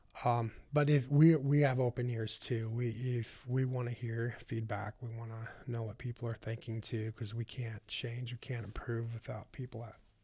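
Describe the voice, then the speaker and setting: A man with a US Midwestern accent speaks at a moderate pace and medium pitch, somewhat breathy and in a flat monotone. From Northeast Nebraska. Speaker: state fair livestock staff. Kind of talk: interview.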